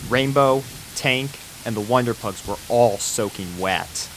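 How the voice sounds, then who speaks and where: A man narrating a fan-written pony story in a steady storybook manner. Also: medium pitch, measured pace, a little hiss or hum, rough recording. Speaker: fanfic reader.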